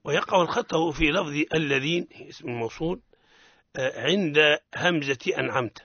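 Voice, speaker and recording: A man with a Tunisian accent hosting a radio lesson on Quran recitation, correcting mistakes and slowly demonstrating each syllable again and again. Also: a little high, bright, forceful tone, no room sound. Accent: Tunisian Arabic. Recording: dull, dry radio studio sound.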